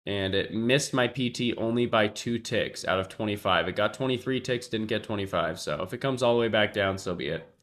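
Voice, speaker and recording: A fairly bright, lowish male voice moves at a brisk clip as a livestream trader chats casually with his viewers. His nose is blocked and he sniffles, thinking aloud and often trailing away.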